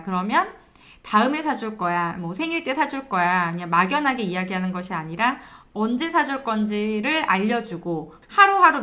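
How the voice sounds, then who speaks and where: A woman parenting coach in her thirties, talking through a book on child discipline and acting out short dialogues between parent and child. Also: medium pitch. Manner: animated, acts out little dialogues. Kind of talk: book review lecture.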